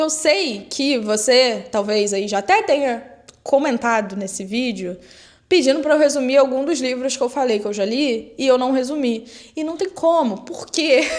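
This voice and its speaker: A woman's animated, high-pitched voice in a Rio de Janeiro accent, lively intonation, moderate pace. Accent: carioca. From Rio de Janeiro, Brazil. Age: 20s. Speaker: book youtuber. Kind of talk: casual vlog talk.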